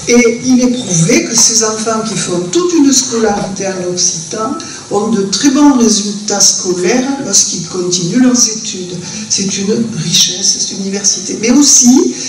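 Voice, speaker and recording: An older woman with a southern French accent talks earnestly as a guest storyteller, circling back and restarting her thoughts. She is picked up by a distant mic in a very echoey room. A faint hum of room noise sits underneath. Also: mid-range voice. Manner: earnest and reflective, with frequent restarts. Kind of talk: conversational talk at a live event. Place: festival conversation venue indoors.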